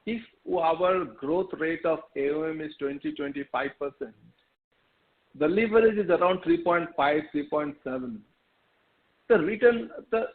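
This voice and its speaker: A man asking a wordy, repetitive question as an investor calling in by telephone. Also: fairly high pitch. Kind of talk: question on an earnings call. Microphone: telephone call. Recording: tinny phone line.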